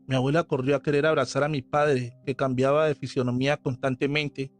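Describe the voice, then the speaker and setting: A man reading a scripted horror story aloud as narrator, in a slow, measured storytelling manner. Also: medium pitch, flat delivery. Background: faint background music.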